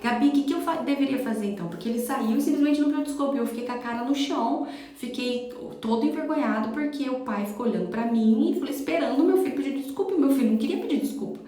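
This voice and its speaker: A woman's voice: sits high, racing, warm tone, far from the mic, close to an everyday voice. A woman with a Brazilian accent voicing an embarrassed father who pleads for advice in a flustered way. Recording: echoey room.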